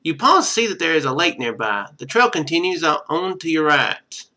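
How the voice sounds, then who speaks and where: A man with a bright, fairly high voice plays a game for a live stream. He reads the on-screen narration aloud with very animated pitch, then drops into casual commentary with wry, sarcastic asides. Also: brisk.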